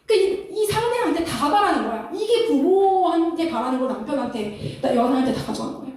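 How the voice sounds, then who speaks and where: Woman, high lively voice, Christian counselor, animated lecture, laughs a lot, very echoey room, a bit off-mic. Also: a little fast, distant mic. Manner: animated, laughs often, acts out couples' lines. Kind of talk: lecture-style talk.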